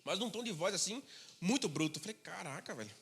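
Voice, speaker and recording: High bright-voiced pastor, hall echo. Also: male voice, animated, fast talker, slightly rough. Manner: conversational storytelling, drops to a low murmur for asides. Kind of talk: sermon. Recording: long hall reverb.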